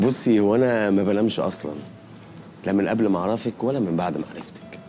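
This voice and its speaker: An actor with an Egyptian accent playing a relaxed, flirtatious man on a date. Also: fairly low pitch, rapid-fire, faint music behind, natural voice. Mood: flirting. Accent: Egyptian Arabic. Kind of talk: TV drama acting.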